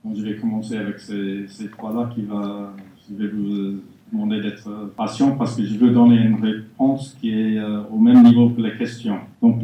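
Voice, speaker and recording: A man's voice: medium pitch, dark tone. Man answering questions in a reverberant hall. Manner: measured, explanatory, with frequent pauses. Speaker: conference speaker. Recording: echoey hall, far from the mic.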